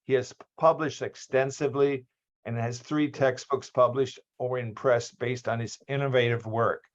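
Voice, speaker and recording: A man's voice: medium pitch, fairly even intonation, moderate pace, lo-fi sound. A man from Australia hosting a lecture series, giving a formal introduction of a guest with frequent ums and restarts over a video call. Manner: hesitant, many ums and restarts.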